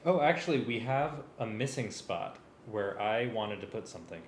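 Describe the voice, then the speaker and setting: A man's voice: lowish voice, lively intonation, moderate pace, slight background noise. A man talking casually as he directs a music rehearsal, thinking aloud in a hesitant, working way. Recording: roomy sound with music playing.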